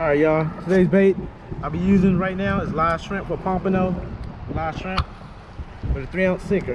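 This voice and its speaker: Over noticeable background noise, a man speaks at a moderate pace in a high pitch with monotone, flat intonation. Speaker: fishing vlogger. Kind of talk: casual vlog chat. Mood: relaxed, cheerful. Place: waterside. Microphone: phone near.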